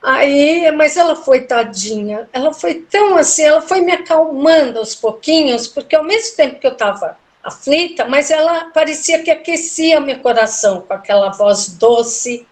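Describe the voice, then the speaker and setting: Woman guest, high-pitched, animated storyteller who voices the people in her story. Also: moderate pace, few pauses. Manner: animated, acts out quoted dialogue with big pitch jumps. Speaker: interview guest, tarot reader. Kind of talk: emotional personal storytelling.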